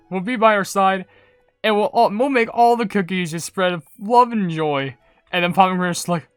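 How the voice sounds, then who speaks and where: A man's voice: high voice, clean tone, no room sound. A man hosting a gaming video, giving casual, informal reaction commentary and reading comments. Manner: chatty, informal. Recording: dry close mic, game music behind. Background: soft game music.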